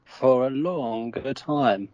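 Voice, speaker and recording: A man's voice: medium pitch, slow, darkish tone, dull audio. A man in casual chat over a choppy internet call whose audio cuts in and out, joking through mic tests.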